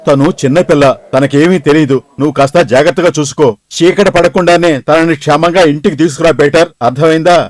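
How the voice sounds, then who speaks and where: A man's voice: fairly high pitch, fairly even intonation, quick pace, dry recording, natural voice. A man voicing a caring, watchful old grandfather in a cartoon dub, fussing and cautioning. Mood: instructing.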